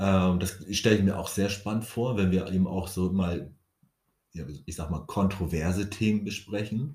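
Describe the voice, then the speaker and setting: A man with a fairly low, somewhat breathy voice speaks at a moderate pace with fairly even intonation and long, frequent pauses. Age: 40s. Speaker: podcast co-host. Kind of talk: casual chat. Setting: at home, kitchen table.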